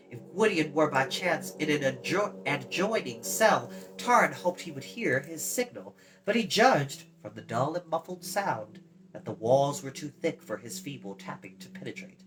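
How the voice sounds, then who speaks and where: A woman reading a fantasy story aloud as an expressive storytime narrator. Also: deep voice, poor audio. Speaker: storytime host and reader.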